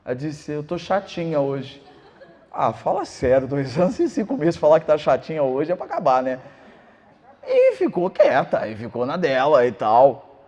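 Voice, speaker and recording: A man, a pastor preaching a sermon, telling a personal story in an animated way. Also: fairly high pitch, moderate pace, highs cut off.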